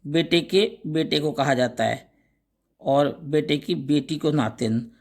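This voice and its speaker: A man teaching a grammar lesson, slowly reciting pairs of words one by one and adding short explanations. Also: on the high side. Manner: slow, deliberate recitation of word lists with brief explanations.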